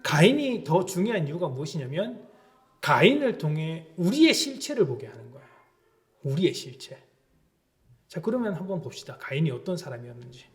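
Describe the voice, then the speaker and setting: A man preaching a sermon in church, with lively rises and slow, dramatic quotations. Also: on the high side. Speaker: pastor.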